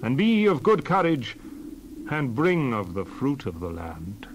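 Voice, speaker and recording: A man's voice: mid-range voice, wildly swooping pitch, measured pace. Male actor as commanding biblical patriarch, solemn declamation, very varied intonation, faint background noise. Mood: firm, instructing. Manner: declamatory, archaic scriptural phrasing. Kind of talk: dramatized Bible reading.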